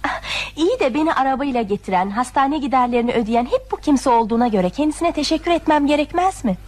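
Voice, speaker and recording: An actress in an old radio drama, playing a gentle, curious young woman in a hospital bed. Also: sits high, animated, fast. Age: young adult. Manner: soft and hesitant, eager questions.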